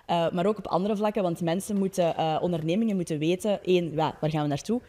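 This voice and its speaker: A young adult woman with a Flemish Belgian accent giving an earnest, explanatory debate statement with hesitant pauses. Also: lowish voice, warm tone. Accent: Flemish Belgian Dutch. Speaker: political youth-wing leader, debate panelist. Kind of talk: debate statement, semi-formal.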